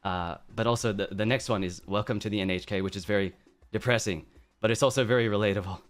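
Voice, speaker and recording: A man's voice: lowish voice, steady tone, fast, soft background music. A man streaming, chatting casually and playfully about his likes and interests, with fillers and asides. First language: English. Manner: playful, mock-tough opening, rambling asides. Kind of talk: casual live-stream chat.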